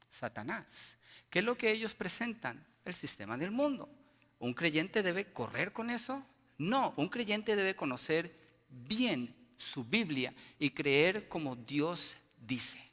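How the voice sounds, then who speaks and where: A man's voice: fairly high pitch, sharp tone. A middle-aged male pastor, preaching an impassioned sermon full of emphatic rhetorical questions in a church. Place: church sanctuary. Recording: long church reverb.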